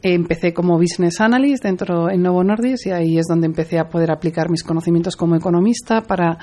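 Woman, 40s, from Madrid, interview guest, mellow tone, hesitant and earnest. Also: fairly low pitch, fast talker. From Madrid, Spain. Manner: hesitant, many fillers and restarts, earnest. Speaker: guest, pharmaceutical executive. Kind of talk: interview conversation.

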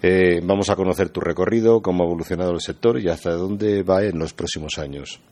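A man's voice: deep voice, brisk, darkish tone. A man hosting a radio interview, asking friendly conversational questions. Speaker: radio host.

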